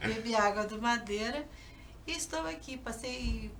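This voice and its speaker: A woman talks at a moderate pace, with audible room echo around her and music playing behind. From Paraná, southern Brazil. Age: 60s. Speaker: journalist and union president. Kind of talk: interview.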